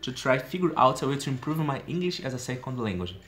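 A man in his thirties from Brazil, speaking with a Brazilian Portuguese accent. His delivery is chatty and expressive, peppered with fillers. He records himself on a phone in a small indoor room. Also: mid-range voice, quick pace, slight background noise. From São Paulo, Brazil. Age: 30s. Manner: chatty and expressive, gestures a lot, many "you know" fillers. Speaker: language learner vlogger. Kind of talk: casual spoken video diary. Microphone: phone camera at arm's length.

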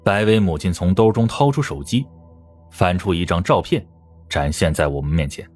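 Very deep male audiobook narrator, lively delivery. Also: moderate pace, soft background music. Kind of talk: scripted dramatic narration of a crime novel.

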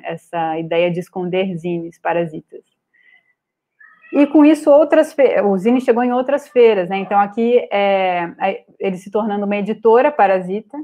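A woman with a Brazilian Portuguese accent giving an online lecture over slides, pausing often with fillers and restarts. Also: medium pitch, a little mellow. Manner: hesitant, many filler "é" and restarts. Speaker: guest speaker on art publishing. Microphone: video call webcam.

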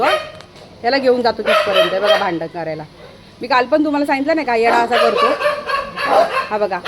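A woman's voice: a little high, very noisy. A woman vlogging casually at home, talking to viewers and calling out to her dogs. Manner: chatty, calls out to dogs often.

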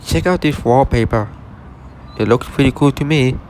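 Man narrating a low-key building walkthrough. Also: normal speed, darkish tone, slight background noise. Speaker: vlogger touring empty buildings. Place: empty store and parking lot.

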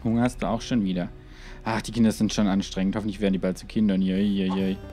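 A man's voice: low-pitched, little pitch movement, quick pace, warm tone, faint music behind. A man hosting a let's play, talking casually to his game characters with muttered asides and frequent exclamations. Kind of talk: gaming commentary.

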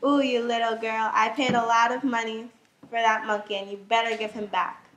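Young woman doing grandma in an amateur puppet show, high voice, fretting, roomy sound. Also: little pitch movement, normal speed, a bit bright, lightly acted. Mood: anxious, indignant. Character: grandma fretting over her lost pet monkey. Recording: echoey room, clear background noise.

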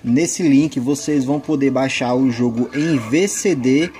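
A man's voice: mid-range voice, unhurried, mellow. A man with a Brazilian accent giving casual gameplay commentary as a channel host. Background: game music.

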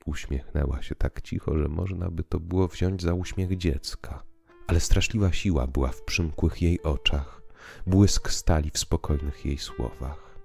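A man narrating a literary audiobook in a solemn, deliberate, dramatic manner. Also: extremely low pitch, gravelly, mellow, slightly rough. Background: faint music.

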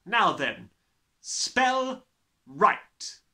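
A man voicing a huge, bullying headmistress, bellowing with scornful, drawn-out menace in a storybook reading. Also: sits high, sing-song, pushed and bright, pitched above the performer's own voice, heavily acted. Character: huge, bullying, furious tyrant headmistress, adult woman.

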